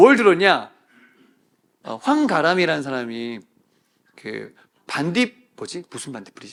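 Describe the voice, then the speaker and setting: Vocal fry runs through this man's speech, and his pitch swings very widely. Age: 40s. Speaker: pastor. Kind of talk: sermon. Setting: church. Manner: conversational.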